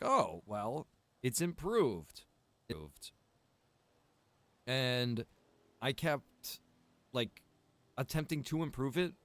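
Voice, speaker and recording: A man's voice: mid-range voice, clear, resonant tone, dry recording. A man chatting casually on a gaming stream, rambling and thinking aloud as he goes. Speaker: streamer and server developer.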